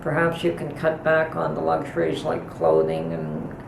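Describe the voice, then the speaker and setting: A middle-aged woman hosting a homestead vlog, chatting calmly and thoughtfully from her home kitchen. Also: low-pitched, creaky. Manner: calm, unhurried, thoughtful with pauses. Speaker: homestead channel host. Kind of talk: casual kitchen vlog chat. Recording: echoey room with noticeable background noise.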